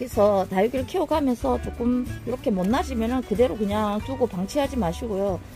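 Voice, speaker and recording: Over music in the background, a woman with a fairly high voice speaks at a fairly quick pace, with lively intonation and hardly any pauses. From Gyeongsang, South Korea. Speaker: succulent grower. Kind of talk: casual gardening talk to camera.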